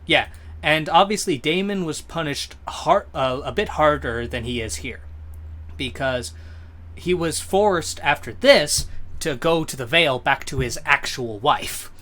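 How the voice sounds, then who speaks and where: A man's voice: fairly high pitch, unhurried, a bit bright. A man co-hosting a podcast in casual chat, rambling and correcting himself as he gives his opinions. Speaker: podcast co-host.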